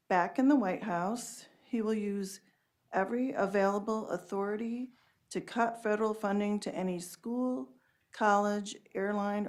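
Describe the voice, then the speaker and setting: A woman's voice: medium pitch, a little mellow. A school librarian, a woman, giving firm, pointed prepared testimony at a school board meeting. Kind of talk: public testimony. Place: public board meeting room.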